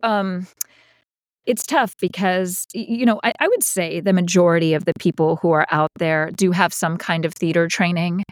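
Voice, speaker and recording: A woman chatting casually as an interview guest, talking in an animated, expressive way that wanders off on tangents. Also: fairly low pitch, normal speed, no echo. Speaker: guest, audiobook narrator and acting coach.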